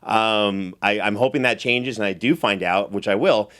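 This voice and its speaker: A man with a fairly low voice hosts a podcast. He speaks in a casual, conversational way, putting questions to guests and handing out compliments freely. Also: moderate pace, fairly bright tone. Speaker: podcast host and producer. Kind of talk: casual podcast hosting and interviewing.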